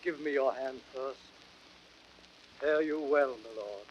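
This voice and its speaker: An actor playing a loyal, sorrowful Roman servant soldier in old radio Shakespeare style, on a muffled hissy recording. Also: male voice, medium pitch, slow, lightly acted. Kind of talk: 1930s radio Shakespeare acting.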